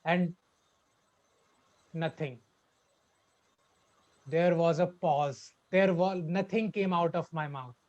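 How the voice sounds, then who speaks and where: Halting young man with a stutter. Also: on the high side, a little mellow. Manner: halting, repeats words with a stutter. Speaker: club speaker. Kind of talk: personal story speech. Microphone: video call. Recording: dull lo-fi online call audio.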